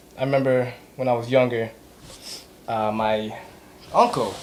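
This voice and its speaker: Noticeable background noise sits behind a man talking in an American accent. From US Midwest, Minnesota. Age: 20s. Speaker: home cook. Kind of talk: cooking tutorial. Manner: casual, conversational.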